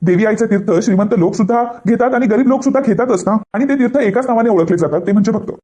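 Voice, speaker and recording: A man's voice: high voice, very fast, mellow, close to an everyday voice. A man voicing a young daughter-in-law who argues her side earnestly and pleads to be understood. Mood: pleading.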